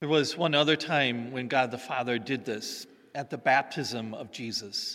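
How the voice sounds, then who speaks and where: Bright and sharp in tone, a man with an Upper Midwest accent speaks with fairly even intonation amid audible room echo. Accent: Upper Midwest American. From US Midwest, Wisconsin. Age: 50s. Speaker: priest. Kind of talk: sermon.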